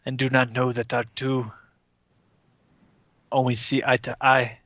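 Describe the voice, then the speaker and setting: A man voicing Orpheus, a solemn, honorable agent who speaks in formal, measured sentences. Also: medium pitch, level tone, fairly bright tone, no room sound, highs cut off, natural voice.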